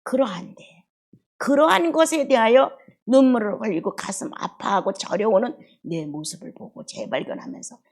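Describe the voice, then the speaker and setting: A middle-aged woman preaching a sermon with deep feeling, her voice jumping from loud outbursts down to hushed murmurs. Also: normal speed. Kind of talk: expository sermon.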